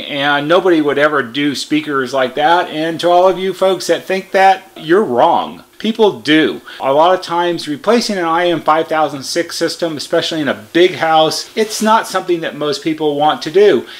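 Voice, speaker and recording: An American man giving a casual, plain-spoken video demonstration as a repair technician, explaining things conversationally. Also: fairly high pitch. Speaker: repair shop technician presenting a how-to video. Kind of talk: casual product demonstration talk.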